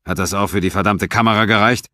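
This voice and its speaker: A man doing a gruff, blunt senior cop. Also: lowish voice, steady tone, quick pace, pushed and bright, no echo, studio quality, voice pushed up. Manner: gruff, blunt, fatherly-condescending. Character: gruff senior male police officer, blunt.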